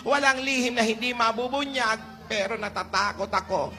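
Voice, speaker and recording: A man's voice: extremely high pitch, normal speed, bright, forceful tone, faint music behind, heavily acted. A man playing a worried, fussy elderly grandmother in a live comedy sketch, fretting dramatically and cooing at a baby. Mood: anxious. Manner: fretful, dramatic, shifts into soothing baby talk. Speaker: comic actor in a live street sketch.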